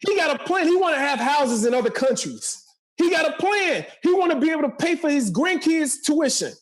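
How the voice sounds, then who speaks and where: High-pitched motivational man in his forties. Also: very animated, a little fast. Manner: emphatic, preacherly, repeating phrases for effect. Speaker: podcast guest, motivational speaker and entrepreneur. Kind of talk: motivational talk.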